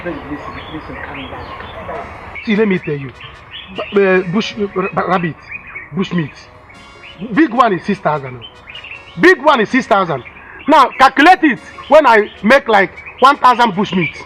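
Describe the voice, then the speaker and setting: A boastful Nigerian village husband coaxes and brags about his schemes, played by a man. His voice sits very high and moves with lively swings. Faint noise runs behind. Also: normal speed. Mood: coaxing. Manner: boastful, coaxing.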